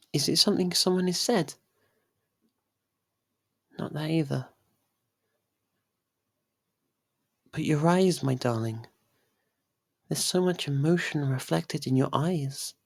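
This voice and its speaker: A performer voicing a possessive, lovestruck young faerie royal in an intimate ASMR roleplay, speaking softly and haltingly. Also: mid-range voice, husky, no echo. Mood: tender, concerned. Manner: hesitant, halting, soft and pleading.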